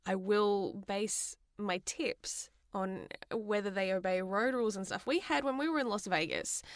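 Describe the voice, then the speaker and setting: A woman's voice: mid-range voice, a little slow, dry recording, clean studio sound. An Australian woman co-hosting a podcast, chatting casually about games in a giggly, chatty manner. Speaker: podcast co-host. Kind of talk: casual gaming chat.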